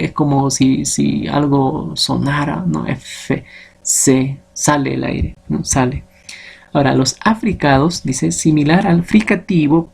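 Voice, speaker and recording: A man's voice: on the high side, gravelly, darkish tone, slightly rough. A man teaching a phonetics lesson to his students, explaining step by step and often checking in with short tag questions.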